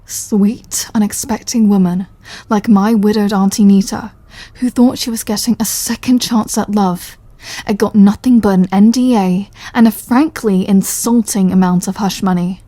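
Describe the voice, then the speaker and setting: Mellow, wry British mafia boss woman, acted out by a woman. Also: medium pitch, steady tone, normal speed, dry recording, lightly acted. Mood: wry, explaining. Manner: dry, sardonic, sighing, exasperated. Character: apologetic, wry female mafia boss, protective and flirty. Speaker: audio roleplay performer. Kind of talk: ASMR audio roleplay, close scripted acting.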